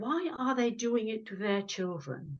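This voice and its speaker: Speaking at a moderate pace, a woman talks in a Lithuanian accent. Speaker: former English teacher and spelling author. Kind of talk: interview talk.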